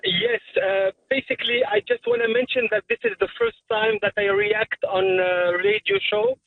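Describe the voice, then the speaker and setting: A man's voice: extremely high pitch, huge pitch swings, normal speed, creaky, a little hiss or hum. A man in his fifties from Tunisia, calling in to a radio show and speaking hesitantly with many fillers and restarts. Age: 50s. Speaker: caller. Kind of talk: phone-in call to a radio show. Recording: tinny phone line.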